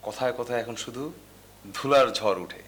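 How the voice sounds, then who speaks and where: A man's voice: medium pitch, steady tone, moderate pace, music in the background, lightly acted. An actor playing a blunt family man who brushes off concerns and gossips. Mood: dismissive. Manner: dismissive, gossipy.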